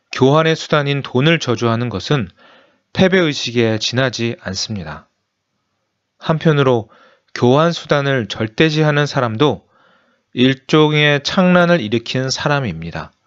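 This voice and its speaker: The tone is calm, with lively intonation. Delivery is fairly slow, broken by long, frequent pauses. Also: man, medium pitch for a man. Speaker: wealth consultant and video creator. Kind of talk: reading aloud a passage, then personal commentary. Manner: calm, measured, formal; halting, with fillers like 어 and 음 in commentary.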